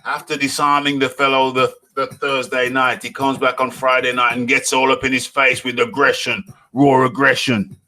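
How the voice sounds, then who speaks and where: A man's voice: mid-range voice, flat delivery, moderate pace, few pauses, sharp tone. A man hosting a live boxing talk stream, repeating phrases, joking and hyping his viewers. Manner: repeats phrases, hypes viewers, jokes around. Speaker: boxing talk show host.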